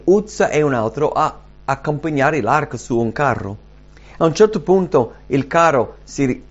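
Earnest preacher man, lo-fi sound. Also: creaky. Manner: earnest, dynamic preaching, rising for emphasis and dropping low and soft. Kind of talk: sermon. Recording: dull lo-fi recording.

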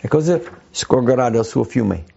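A man preaching a sermon in an earnest, emphatic way, slowing down to stress key phrases. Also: mid-range voice, expressive, creaky, warm tone, breathy edge. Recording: dull lo-fi sound.

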